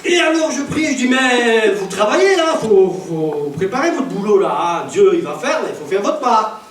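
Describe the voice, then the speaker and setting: A man preaching as an evangelist, telling stories in a lively way, with loud bursts and acted-out dialogue. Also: high voice, normal speed. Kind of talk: storytelling sermon. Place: church. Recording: echoey church hall from far off, faint hiss.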